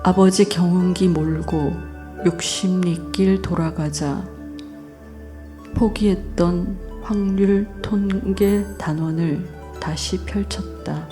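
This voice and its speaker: Slow, mellow-voiced woman poet. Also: on the low side, steady tone, faint music behind. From North Gyeongsang, Korea. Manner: soft, unhurried, gentle laughs. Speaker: guest poet. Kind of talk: poetry reading and radio chat. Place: public radio broadcast stage.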